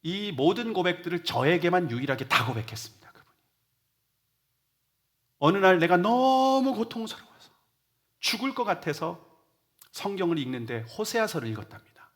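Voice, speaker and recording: Man, middle-aged, pastor, church sermon, earnest testimony, loud-to-hushed swings, slightly high voice. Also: very animated, normal speed, long pauses. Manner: earnest storytelling, swinging from loud emphasis to hushed near-whispers. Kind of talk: Sunday sermon, personal testimony. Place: church sanctuary.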